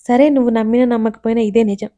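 Storybook figure: woman reading a bossy young male lover, stern and blunt, slightly high, mellow voice. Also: steady tone, fast, close to an everyday voice.

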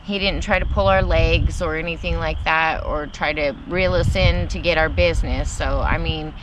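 A woman's voice: sits low, steady tone, normal speed. A young woman in casual, upbeat chat, recorded outdoors by a camera a few meters away. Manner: upbeat, finishes her partner's sentences. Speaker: homesteading vlogger. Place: sunny yard outdoors, seated in camp chairs. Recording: noisy outdoor camera audio.

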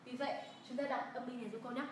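High-voiced Vietnamese teacher in an echoey room. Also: female voice, flat delivery. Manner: drills words slowly and repeats them. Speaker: English pronunciation teacher. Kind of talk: livestreamed pronunciation lesson. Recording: echoey room, voice from a distance, faint hiss.

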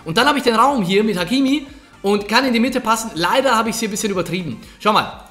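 A man giving energetic, colloquial coaching commentary over gameplay, talking straight to the viewer. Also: sits high, fast. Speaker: gaming coach. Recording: echoey room. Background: faint background music.

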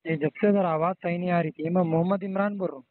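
A man's voice: high voice, steady tone, quick pace, no echo. A man with a Hyderabadi accent explaining himself deferentially and repetitively as a caller on the phone. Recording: tinny narrowband phone line.

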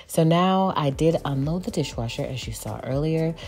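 A woman's voice: sits low, normal speed. A woman in her forties, a lifestyle vlogger, talking casually and homily about cooking and cleaning at home. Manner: chatty, relaxed, homey. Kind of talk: casual cook and clean narration. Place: home kitchen. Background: soft background music.

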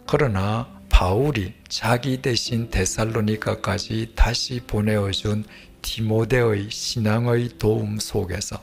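An older male pastor delivering a measured, earnest sermon, often dropping to a hushed whisper at the ends of sentences, on a headset mic. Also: lowish voice, gravelly. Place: plain studio stage, indoors.

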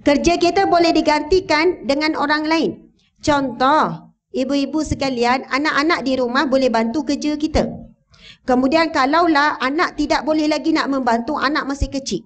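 High-voiced Malaysian Malay woman preacher. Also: moderate pace. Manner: animated, addresses the audience with questions. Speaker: religious teacher. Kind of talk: religious talk to a mosque audience. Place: mosque hall, indoors. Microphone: handheld or lapel microphone, standing.

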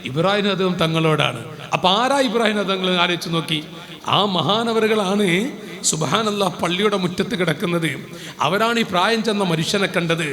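High-voiced preacher in a reverberant hall. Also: male voice, brisk, fairly bright tone. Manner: dramatic storyteller, fervent and rising at key moments. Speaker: Islamic preacher. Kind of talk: storytelling sermon. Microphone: live PA microphone.

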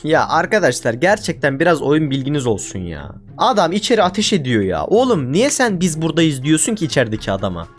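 Lively ranting young gamer guy. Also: fairly high pitch, fast, hardly any pauses, faint music behind. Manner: exasperated, ranting at teammates. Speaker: gaming YouTuber. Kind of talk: casual gameplay commentary.

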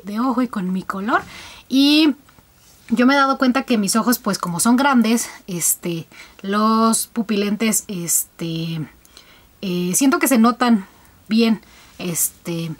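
A young woman with a slightly high voice reviews colored contact lenses, chatting casually with her viewers and using plenty of fillers.

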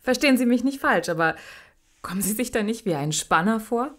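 A woman's voice: a little high, lively intonation, brisk, lightly acted. An actress playing a self-assured woman with a teasing, confident manner in a German audio drama. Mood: sceptical, teasing. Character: cheeky, self-assured woman under police protection.

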